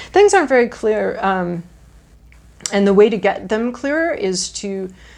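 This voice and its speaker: Noticeable background noise sits under this recording. A woman speaks at a fairly high pitch and a moderate pace. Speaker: tarot reader. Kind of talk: tarot reading. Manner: hesitant, filler-heavy.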